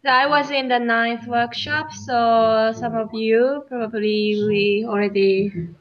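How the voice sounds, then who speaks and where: Higher-voiced woman from Japan. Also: steady tone, slow, lo-fi sound. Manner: careful speech with non-native grammar. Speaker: workshop participant. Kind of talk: self-introduction.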